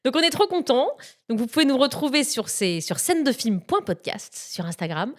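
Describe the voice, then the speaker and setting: A woman's voice: sits high, sing-song, moderate pace. A young woman hosting a casual film podcast, bubbly and chatty, laughing often as she talks. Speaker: podcast host.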